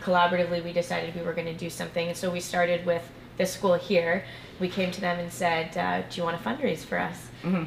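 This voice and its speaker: A woman's very fast, fairly low-pitched speech with fairly even intonation amid noticeable background noise. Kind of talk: interview answer. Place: hall.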